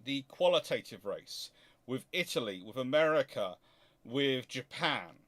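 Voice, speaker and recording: A man's voice: medium pitch, fairly bright tone. A man hosts an informal question-and-answer talk, giving opinionated answers and repeating points for emphasis. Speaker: host answering audience questions.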